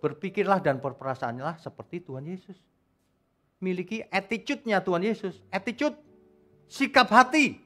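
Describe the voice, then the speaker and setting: A man preaching a sermon at a church service, emphatic and animated, with loud peaks. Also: high-pitched, brisk, soft background music. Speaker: pastor.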